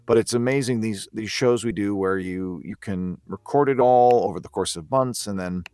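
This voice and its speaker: A man's voice: on the low side, moderate pace, dark tone, smooth, no echo. A man speaking as a guest voice actor in a casual podcast chat, hesitant and meandering, a little self-deprecating.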